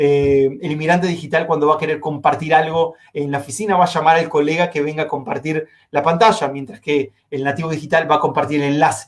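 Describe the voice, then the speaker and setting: Here a man talks at a fairly quick pace. He leaves hardly any pauses. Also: fairly even intonation. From Uruguay. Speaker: educational technology presenter. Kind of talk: online presentation. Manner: halting, many fillers and restarts.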